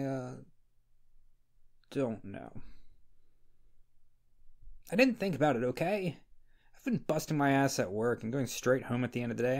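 A man playing a needy, flustered young friend in an intimate ASMR roleplay, speaking softly and hesitantly in a creaky voice. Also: mid-range voice. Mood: pleading, needy. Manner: hesitant, slow, halting, sheepish. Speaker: roleplay audio creator playing a character. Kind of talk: wholesome ASMR roleplay acting, intimate one-sided dialogue.

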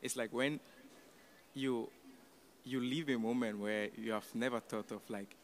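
A young man from Cameroon, a guest in a casual radio interview in an open event booth, talking haltingly with many fillers. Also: medium pitch, steady tone, a little hiss or hum. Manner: hesitant, many fillers and restarts. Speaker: youth advisory committee guest. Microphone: table mic on a stand with headphones.

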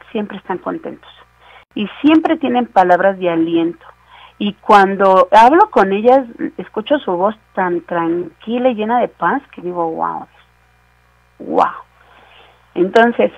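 A woman gives a radio sermon and often turns to her listeners with questions and asides. Her voice at a middle pitch has a gravelly, fry-edged texture. It is recorded dry and close, with no room echo. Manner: warm, conversational, with asides and rhetorical questions. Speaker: radio program preacher.

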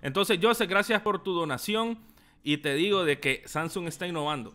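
A man's voice: sits high, normal speed, sharp tone. A young man with a Salvadoran Spanish accent, casually reading viewer chat aloud on a tech livestream, laughing often. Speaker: tech YouTuber. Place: small room indoors.

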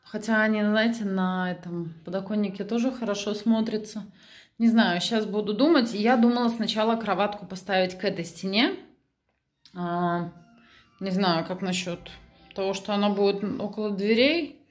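A young woman vlogging casually on a handheld phone, chatty and expressive, with exclamations. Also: mid-range voice, normal speed. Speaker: family vlogger, mother. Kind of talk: casual vlog chat to viewers.

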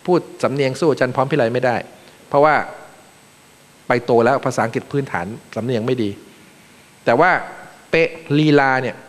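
A Thai man from Thailand, a panel speaker giving a joking, animated seminar talk in a large conference room. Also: medium pitch, normal speed, pauses often. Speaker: panel speaker, acting vice president. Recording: long reverb of a large hall.

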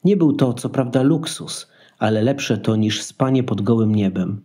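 A man's voice: medium pitch, lively intonation, unhurried, warm tone. A man narrating a Christmas radio play in a scripted storytelling style.

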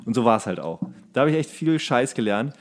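A man's voice: medium pitch, expressive, a little fast. A man co-hosting a podcast, chatting casually in colloquial speech and rambling from one thought to another. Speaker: podcast co-host. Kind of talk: casual chat.

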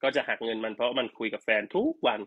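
A man's voice: mid-range voice, fairly even intonation, fast, phone-quality sound. A man chatting casually and teasing jokingly while selling products on a live stream.

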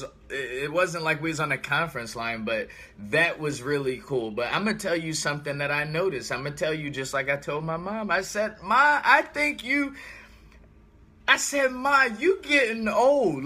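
High-pitched, bright-voiced American man. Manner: animated storytelling, repeats himself for emphasis. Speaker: vlogger. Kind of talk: casual livestream chat, thinking out loud. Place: small room indoors.

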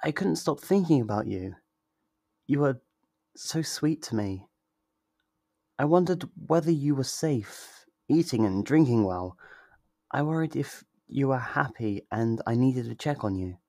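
A man's voice: medium pitch, expressive, vocal fry, warm tone, dry recording, clean studio sound. A man playing a sweet, possessive yandere lover in an intimate ASMR roleplay, tender and reassuring. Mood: tender, confessional. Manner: tender, reassuring, slow and deliberate.

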